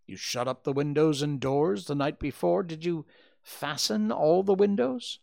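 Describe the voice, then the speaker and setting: A man reading aloud, voicing a calm, shrewd male detective who asks precise questions. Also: fairly high pitch, a little slow, creaky, voice pushed up. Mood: probing.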